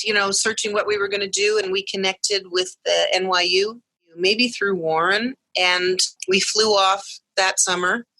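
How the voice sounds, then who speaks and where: Woman guest, bright, forward voice, dry close recording, animated storyteller. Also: mid-range voice, dry recording, low-quality recording. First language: English. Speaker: guest, mother of deaf twins. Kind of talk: podcast interview storytelling.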